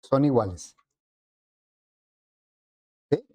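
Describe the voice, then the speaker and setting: A man's voice: mid-range voice, animated, drawn-out words, warm tone. A man teaching a programming class, explaining step by step and asking the students rhetorical questions. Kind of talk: classroom lecture.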